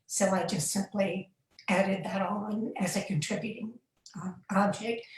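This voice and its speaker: A woman with a mid-range voice explains her research plainly, with frequent pauses. She sounds distant from the mic, in a very echoey room. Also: medium pitch, steady tone. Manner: explanatory, with fillers. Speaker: panelist, historic preservation researcher. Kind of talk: panel discussion.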